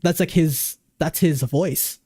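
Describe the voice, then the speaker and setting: A woman with a low, warm, slightly breathy voice speaks slowly while live streaming a game, chatting casually with viewers into a desk microphone on an arm. She reads their messages aloud and keeps breaking into song. The recording is dry with clean studio sound.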